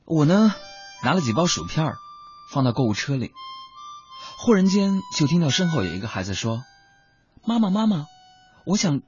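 A man's voice: fairly high pitch, very animated, brisk, long pauses, a little mellow. A young man hosting a radio show, telling comic stories about his family in a playful voice and acting out their voices. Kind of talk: comic storytelling monologue. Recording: dull lo-fi radio recording with music.

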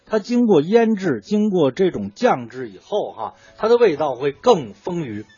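A food writer guest with a Beijing accent explains traditional dishes conversationally, like a colloquial storyteller who poses questions and then answers them. His voice is high and mellow with big pitch swings, a breathy edge, and normal speed, in a dry recording that also has a muffled, dull lo-fi sound.

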